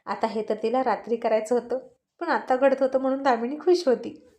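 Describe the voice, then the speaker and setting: A woman storyteller reading a love story aloud in an even storytelling manner. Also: a little high, a little fast. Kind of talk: storybook narration. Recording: dull lo-fi recording.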